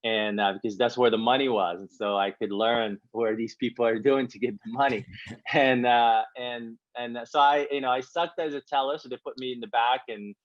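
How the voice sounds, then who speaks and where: A man's voice: medium pitch, steady tone, normal speed, no room sound. A man from Morocco speaking as a podcast guest, telling his own story conversationally in a dry, slightly dull recording.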